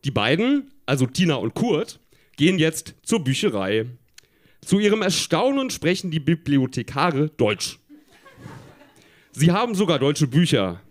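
A man reads a children's story aloud with a lively, wandering melody, chuckling as he goes. His voice sits a little high for a man, and he sometimes trips over a word before setting it right. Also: unhurried. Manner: chuckling, stumbling over words, addressing listeners.

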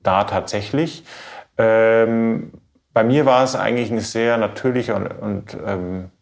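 A man from Bavaria, a trained baritone, giving reflective, measured interview answers and searching for his words. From Bavaria, Germany. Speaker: classical baritone singer being interviewed.

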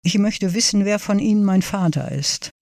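A woman voicing a young woman who confronts the man she believes is her father, speaking quietly and firmly. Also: medium pitch, normal speed, no room sound, clean studio sound, lightly acted. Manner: quiet and firm.

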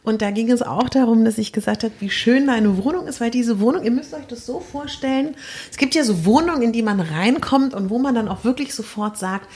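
A woman hosting a casual interview podcast, chatting with her guest in an apartment in a lively conversational way. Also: a little high, brisk. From Germany. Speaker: podcast host.

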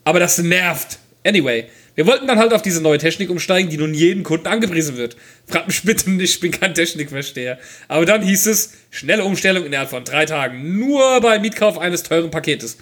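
A man's voice: a little high, animated, a little fast, fairly bright tone. A man co-hosting a podcast in casual chat, jokey and laughing often as he reads listener mail aloud.

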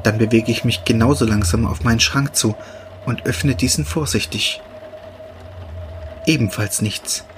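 A man reading short horror stories in a slow, hushed, deliberate voice with dramatic pauses. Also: mid-range voice, slight background noise. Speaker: narrator. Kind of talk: scripted horror narration. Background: background music.

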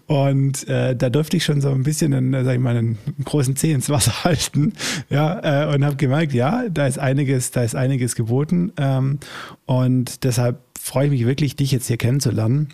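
Podcast host guy, mid-pitch gravelly voice, chatty and halting with lots of ähs, dry sound. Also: fairly even intonation, mellow, dry recording. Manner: friendly, halting, many fillers. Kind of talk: casual interview chat.

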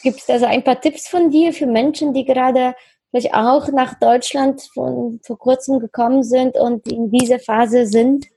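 High-voiced woman interviewer, soft and husky. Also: steady tone, measured pace, no room sound. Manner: asks long, winding questions. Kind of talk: conversational interview.

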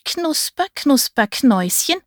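A woman's voice: high voice, sing-song, takes it slowly, no room sound, studio quality, pitched above the performer's own voice, heavily acted. A woman voicing an old witch in a gingerbread house, with a rusty, scratchy voice and a singsong chant.

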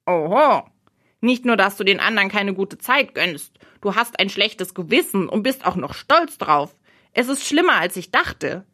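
A woman's voice: mid-range voice, big pitch swings, measured pace, pushed and bright, exaggerated voice. A woman voicing a blunt, provocative male bird in an audiobook, questioning and challenging the heroine. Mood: needling. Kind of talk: audiobook role reading.

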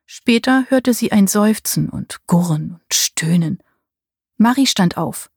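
Eine Frau liest ruhig eine Erzählung vor. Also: female voice, mid-range voice, lively intonation, slow, a little mellow, husky, no room sound, clean studio sound. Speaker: audiobook reader. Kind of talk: scripted narration.

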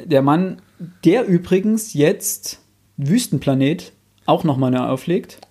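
A man's voice: on the high side, animated, slow pace, darkish tone, husky. A man in casual podcast chat, thinking aloud with frequent restarts and enthusiastic recommendations, close on a studio mic.

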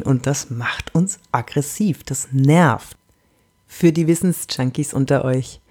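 A woman from Franconia hosting a coaching podcast, animated and emphatic, with whispered asides. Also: low voice, slightly rough. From Franconia, Germany. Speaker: podcast host and body-language coach.

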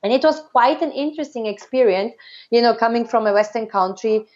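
A woman in her thirties from Austria, a podcast guest telling her story in a casual, halting way with many fillers and restarts. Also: a little high, darkish tone, muffled recording.

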